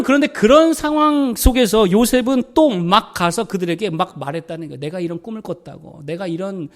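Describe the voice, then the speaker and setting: Middle-aged male pastor, high-pitched, preaching with insistent repetition and rhetorical questions. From South Korea. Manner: emphatic preaching, repeats phrases and asks the congregation questions. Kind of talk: sermon. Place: church sanctuary.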